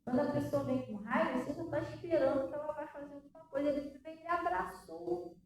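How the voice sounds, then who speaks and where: A woman's voice: high-pitched, fast talker. A woman pastor with a Brazilian Portuguese accent preaching a sermon, emphatic and full of rhetorical questions to her congregation. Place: church hall. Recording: very echoey church hall from far off, faint noise.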